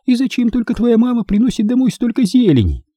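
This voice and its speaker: A male audiobook reader voicing a fussy, excitable old grandmother who exclaims shrilly. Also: very high-pitched, quick pace, no echo, clean studio sound, pitched above the performer's own voice, full character voice. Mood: grumbling.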